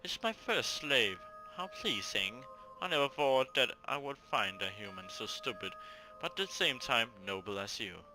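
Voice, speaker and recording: A haughty villainess from a visual novel, acted out by a man. She is cruel, seductive and sure of herself, giving orders with pride while loud music plays behind. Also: mid-range voice, animated, normal speed, natural voice, low-quality recording. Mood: commanding, pleased. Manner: haughty, commanding. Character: proud, cruel, seductive female villain with eerie confidence. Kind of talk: amateur visual novel read-aloud.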